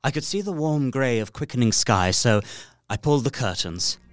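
A man's voice: mid-range voice, animated, moderate pace, lightly acted. An actor playing an uneasy young solicitor, narrating his journal formally and dramatically in an audio drama. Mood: uneasy, hushed.

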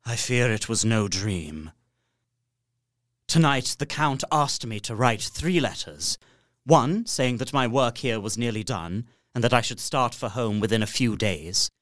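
Fearful young gentleman narrator. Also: medium pitch, animated, unhurried, no echo, clean studio sound. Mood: uneasy. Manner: earnest, fearful, formal. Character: Jonathan Harker, horrified young solicitor recounting his journal. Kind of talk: dramatic first-person narration, radio play.

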